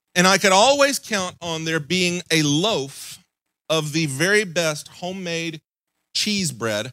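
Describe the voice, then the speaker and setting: A man with a bright, sharp tone and fairly high pitch speaks at a fairly slow pace with lively intonation. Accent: Southern US. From US South, Mississippi. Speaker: pastor. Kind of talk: sermon. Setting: church.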